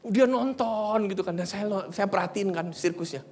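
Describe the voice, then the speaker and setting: A middle-aged male pastor preaching a sermon, telling a personal story in a humorous, conversational way, at times dropping to hushed tones. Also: high voice, moderate pace.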